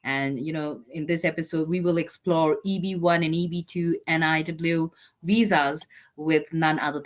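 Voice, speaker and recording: An upbeat woman hosts a webinar interview, speaking in a slightly low voice. She keeps things friendly, turning often to address her listeners directly as friends. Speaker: webinar host.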